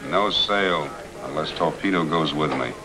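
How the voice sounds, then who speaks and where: A man's voice: rumbling low, a little slow, crowd noise. A male actor playing a cool, guarded, clever convict with terse delivery in a 1950s screen drama. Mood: firm. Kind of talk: 1950s black-and-white screen drama acting. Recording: noisy old film soundtrack.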